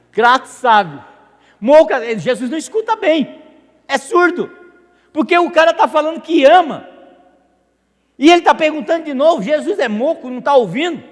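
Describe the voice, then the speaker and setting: A man preaching a sermon as pastor, animated and jokey, asking the congregation questions. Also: very high voice, normal speed, long pauses. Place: church hall. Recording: echoey church hall with music.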